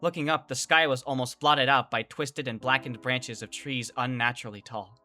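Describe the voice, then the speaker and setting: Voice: medium pitch, steady tone, normal speed, bright, forceful tone, faint music behind, close to an everyday voice. A performer playing an anxious, wry young survivor woman, narrating and speaking in a first-person audio drama. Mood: tense, wry.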